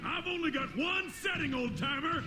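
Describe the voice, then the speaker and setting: A man's voice: very high voice, moderate pace, roomy sound, background noise. An actor voicing a cocky young male robot soldier in a video game, bellowing spoken onomatopoeia like explosion noises. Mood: brash. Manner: shouts spoken onomatopoeia like exploding sound words.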